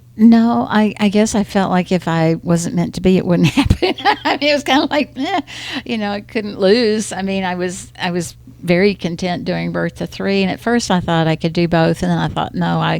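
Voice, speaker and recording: Behind a woman speaking at a moderate pace, background noise is noticeable. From Arkansas. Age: 70s. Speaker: city council member. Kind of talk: casual interview. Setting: studio.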